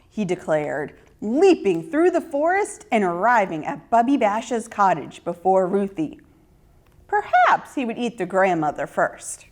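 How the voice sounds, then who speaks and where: A woman reading a children's story in an expressive, deliberate narrating style. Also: medium pitch.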